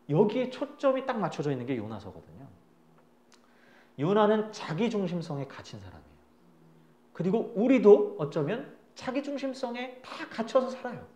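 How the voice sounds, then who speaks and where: A man preaching a sermon as a pastor, telling a story in an animated, chatty way, in a roomy space. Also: high-pitched. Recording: roomy echo.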